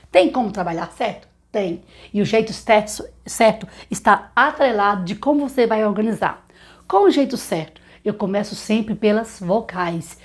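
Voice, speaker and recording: A woman teaching a literacy lesson for teachers, often acting out phonics questions to children in an animated voice. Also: medium pitch.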